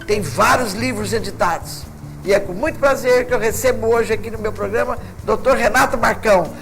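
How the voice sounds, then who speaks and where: High-voiced talk show host. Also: male voice, a little fast, gravelly, fairly bright tone, low-quality recording. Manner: effusive, complimentary, chatty. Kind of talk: studio interview. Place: TV studio. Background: music.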